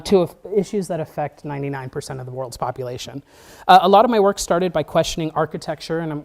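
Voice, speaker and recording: A man in his thirties giving an academic design lecture, earnest and halting, with frequent restarts and fillers. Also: fairly high pitch, a little mellow. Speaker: architecture lecturer.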